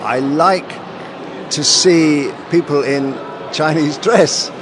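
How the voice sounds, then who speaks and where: Halting man on a noisy street. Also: fairly high pitch. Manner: hesitant, repeating words. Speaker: festival visitor. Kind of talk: street vox pop. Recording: street noise behind.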